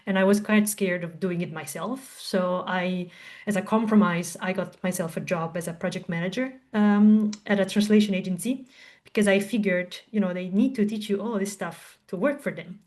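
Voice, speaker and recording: A woman's voice: mid-range voice, moderate pace, a little mellow. A woman in her thirties from southern Italy, whose first language is Italian, talking casually as a podcast guest and telling her story with lots of fillers. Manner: chatty, storytelling with frequent fillers. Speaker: guest, translator and tech co-founder.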